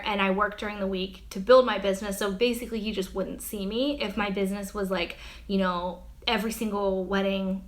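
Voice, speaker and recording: A woman's voice: mid-range voice, pushed and bright. A young woman, a wedding photographer, talking casually through a live Q&A, full of "um" and "like" fillers, her voice a bit worn. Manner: chatty, many "um" and "like" fillers. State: losing her voice. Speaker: wedding photographer answering viewer questions.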